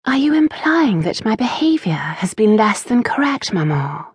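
A woman's voice: fairly high pitch, big pitch swings, moderate pace, slightly rough, no echo, pitched above the performer's own voice, exaggerated voice. A woman voicing a spirited young noblewoman who protests indignantly against her mother.

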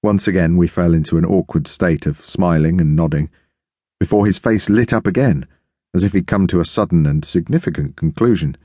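Deep, dry male narrator, steady first-person audiobook reading. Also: no echo. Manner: measured, steady storytelling.

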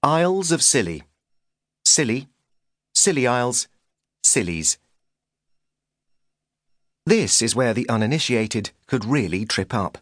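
A man's voice: mid-range voice, very animated, slow, long pauses, a bit bright, no echo. A man reading a humorous memoir as an audiobook narrator, with a dry, wry delivery.

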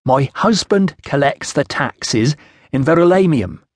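A man voicing a fierce, proud tribal woman in an audiobook, blunt and indignant, with slow, emphatic delivery. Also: on the high side, expressive, dry recording, clean studio sound. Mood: scornful, defiant.

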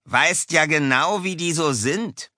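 A man's voice: fairly high pitch, slow, bright, forceful tone, no echo, clean studio sound, voice pushed up, heavily acted. A man voicing a spiteful young male cat who taunts the others in an audiobook for children. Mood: snide. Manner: snide, taunting. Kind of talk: audiobook character voice.

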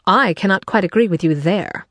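Woman playing wry, teasing gentleman father, lively intonation. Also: mid-range voice, no echo. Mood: mock-solemn. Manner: dry, measured, mock-solemn.

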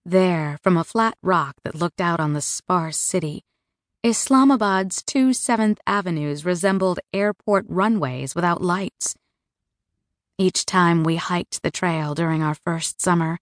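A woman reading a first-person novel aloud as an audiobook narrator, in a measured, even storytelling manner. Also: lowish voice, no room sound, clean studio sound. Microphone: close studio mic.

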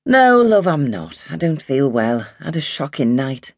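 A woman's voice: sits low, sing-song, a little slow, dry recording, studio quality, full character voice. A woman playing a cross, stubborn older woman. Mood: cross, weary.

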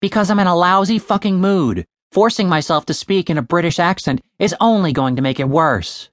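A man's voice: high voice, fairly quick, no echo, studio quality, pitched above the performer's own voice, lightly acted. A woman voicing a grumpy, foul-mouthed young man, a former bartender who rants profanely. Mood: irritated. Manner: profane, ranting.

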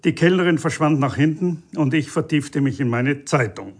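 A man narrating a satirical short story for an audiobook in a measured, deliberate way. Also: on the high side, husky.

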